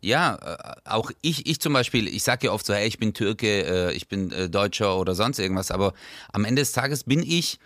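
A man's voice: on the low side, animated, moderate pace, fairly bright tone, no room sound, clean studio sound. A man chatting casually as a podcast guest, enthusiastic and rambling, with many fillers. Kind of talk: casual chat.

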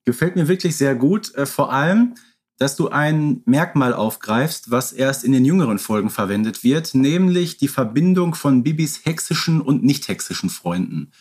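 A man with a mid-pitched voice co-hosts a fan podcast. He discusses things informally, in a measured and appreciative manner. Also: expressive, a little mellow, husky. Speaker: podcast co-host.

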